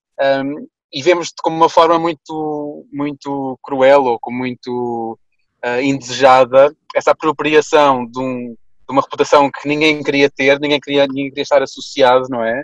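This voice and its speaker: A man's fairly high voice, monotone and flat, at a moderate pace, with big swings in loudness and a dry, close sound with no echo. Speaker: fado singer. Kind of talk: casual chat.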